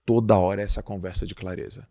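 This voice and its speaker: A man's voice: sits low, fairly even intonation, fast, dark tone, no room sound, studio quality. A man with a Brazilian Portuguese accent giving an emphatic motivational talk as a podcast host. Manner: emphatic, acts out quoted dialogue. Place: podcast studio.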